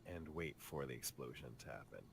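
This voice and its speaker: A man playing a tabletop roleplaying game, describing his character's actions in the third person with deliberate phrasing. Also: extremely low pitch. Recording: clear background noise on mic.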